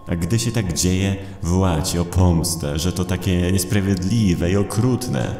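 Guy doing a scornful dark chaos demon for a horror audio drama, super deep n gravelly, lecturing. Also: measured pace, echoey room, faint music behind.

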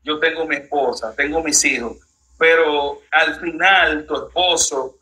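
A man's voice: a little high, a little slow, pushed and bright, rough recording. A man with a Dominican Spanish accent, interviewing a guest in an earnest, personal way and asking pointed questions. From Dominican Republic. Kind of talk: conversational interview.

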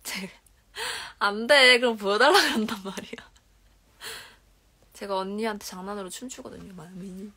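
At a moderate pace with long pauses, a mid-range voice comes from a young woman in her twenties hosting an idol livestream. Speaking in a Korean regional dialect, she chats casually and reads comments aloud from a dim bedroom, phone held at arm's length. She's soft-spoken and often trails into whispers and giggles.

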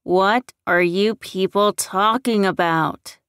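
Audiobook role: bitter, combative young werewolf man , read by a woman, unhurried, dry close sound. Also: mid-range voice, a bit bright, clean tone, no room sound. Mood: demanding. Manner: combative, demanding, sarcastic. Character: angry, sick, accusing young man turned werewolf.

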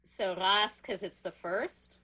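Slow-talking woman leading a video-call workshop. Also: medium pitch, sharp tone, slightly rough. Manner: slow, chatty, laughs often, says okay a lot. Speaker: music workshop leader for teachers. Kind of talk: teaching songs on a video call, often singing.

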